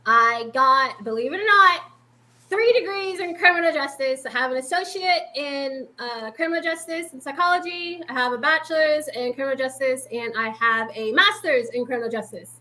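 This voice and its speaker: A woman's voice: high voice, moderate pace, bright, forceful tone. A woman from Boston, talking casually as an interview guest in a rambling way, with lots of fillers. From Boston, Massachusetts. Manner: chatty, rambling, with many fillers and frequent laughs.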